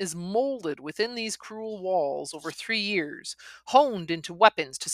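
The reading voice is natural, and its intonation is lively.

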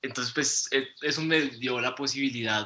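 The speaker moves at a moderate pace. The voice has a bright, sharp tone. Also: man. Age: 20s. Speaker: history student. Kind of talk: interview.

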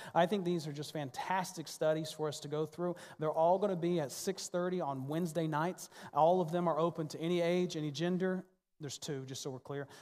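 A man speaks in a normal speaking voice, fairly high in pitch, with fairly even intonation and a fairly quick pace. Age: 30s. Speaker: pastor. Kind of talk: sermon; church announcements. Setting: church. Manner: casual, conversational.

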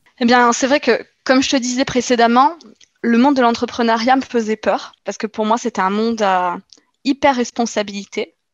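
A woman talks at a moderate pace in a plain, everyday voice, with fairly even intonation. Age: 30s. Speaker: online seller and business engineer. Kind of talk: interview.

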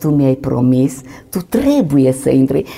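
This is a put-on character voice. Its pitch sits in the low-to-middle range. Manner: tender, gentle.

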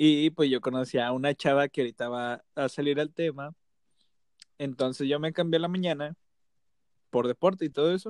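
At a moderate pace, a man speaks in a fairly high pitch with ordinary pitch variation and long, frequent pauses. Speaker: podcast co-host. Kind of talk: casual chat. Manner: announcer-like when presenting.

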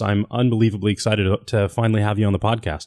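At a fairly quick pace, a man talks in a normal speaking voice at medium pitch, with a dry, close sound with no echo and a quiet background. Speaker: podcast host. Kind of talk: interview, casual conversation. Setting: phone call.

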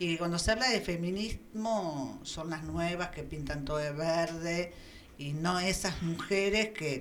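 Amid audible room echo, a woman talks at a fairly slow pace with a fairly low pitch and ordinary pitch variation. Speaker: radio host. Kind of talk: reading informational text; casual radio interview. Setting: radio studio.

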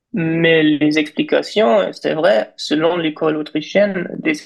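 In a German accent, a man speaks at a very slow pace. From Germany. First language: German (speaking French). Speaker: economist and university lecturer. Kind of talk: interview. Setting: online recording. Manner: halting, with many hesitations.

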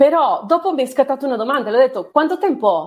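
Her voice is high for a woman and climbs and drops across a very wide pitch range. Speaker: wedding and portrait photographer. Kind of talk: interview. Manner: animated.

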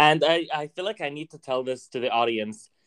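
A man's voice with ordinary pitch variation comes across in a dry, close sound with no echo. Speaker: podcast host. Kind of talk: casual chat. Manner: animated, casual.

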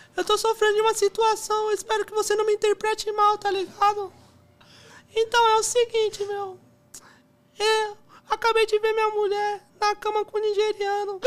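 This put-on character voice sits at an extremely high pitch and moves at a moderate pace. The intonation is monotone and flat, broken by long, frequent pauses. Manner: whining, pleading.

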